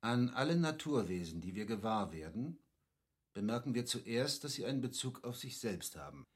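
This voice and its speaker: Learned captain, husky and measured. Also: male voice, medium pitch, very animated. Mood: patient, instructive. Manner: measured, didactic, formal. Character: learned, courteous captain patiently explaining, a cultivated man. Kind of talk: classic German radio play acting.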